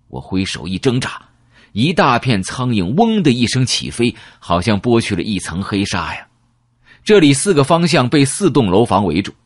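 A man narrating a first-person novel in an expressive storytelling manner. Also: lowish voice, husky, no echo, clean studio sound. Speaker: audiobook narrator.

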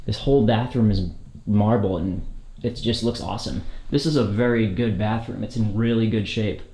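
A young man with a low, mellow voice narrates his walk through an abandoned house, slangy and excited as he points things out to viewers. He's on a handheld camera, and the bare rooms around him echo. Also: moderate pace, a little hiss or hum. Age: young adult. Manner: excited, slangy, talking to viewers while walking. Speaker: urban explorer vlogger. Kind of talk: casual walkthrough narration. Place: empty abandoned house, large indoor rooms. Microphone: handheld action camera. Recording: echoey empty rooms.

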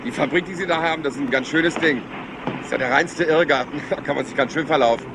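An actor playing a rumpled, polite police inspector in a crime radio play, hesitant and rambling as if scatterbrained. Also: male voice, fairly high pitch, fast, background noise, lightly acted. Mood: musing, chatty. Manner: hesitant, rambling, courteous, mock-modest.

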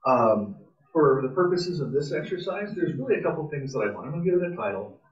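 A man's voice: a little high, lively intonation, quick pace. A man presenting an informal live coding tutorial at a club meetup, casual and enthusiastic, thinking aloud as he types. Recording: distant, roomy, muffled meeting-room sound.

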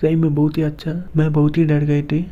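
A timid, frightened young woman, read by a male narrator speaks in his slightly raised, mellow voice. The delivery stays level and even. The recording sounds dull and lo-fi. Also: fairly high pitch, fairly quick, close to an everyday voice. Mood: relieved, timid.

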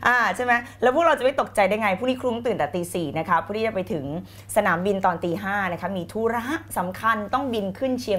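A woman teaching the law of attraction on a live stream, energetic and emphatic, repeating key phrases and slipping in English words. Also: mid-range voice. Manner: mixes in English words, blunt slang.

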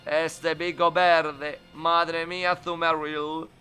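A man's voice: on the high side, level tone, takes it slowly, sharp tone, clean tone. A young man, commentating his online game match with frequent swearing and exasperated outbursts. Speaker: gaming commentator. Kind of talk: live gameplay commentary. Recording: game music playing faintly behind.

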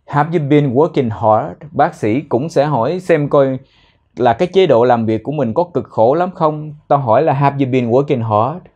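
A young man teaching spoken English in a casual way, explaining phrases and repeating words slowly so learners can copy them. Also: a little high, mellow, dull audio.

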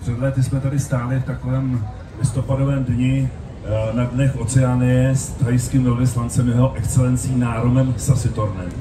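A middle-aged man with an average-pitched voice addresses an outdoor event. His amplified voice is distant and roomy, over clear noise. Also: little pitch movement. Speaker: festival speaker. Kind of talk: short anecdotal public speech. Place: open-air covered festival stage. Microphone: stand mic through PA, recorded from audience. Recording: noisy, echoey stage PA from far off.

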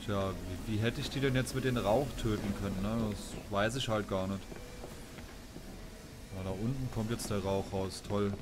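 A man's voice: fairly low pitch, fairly even intonation, moderate pace, noisy background. A man, casually commenting as he plays a video game, chatty and self-mocking as he thinks aloud. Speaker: let's play commentator. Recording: game music loud behind. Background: game music and sounds.

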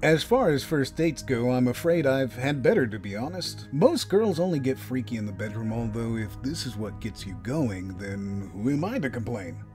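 A man's voice: mid-range voice, animated, moderate pace, few pauses, darkish tone, soft background music, natural voice. A man playing a cocky, flirtatious military officer with a wry, protective streak in a fan audio drama. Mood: flirtatious, sarcastic. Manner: wry, teasing.

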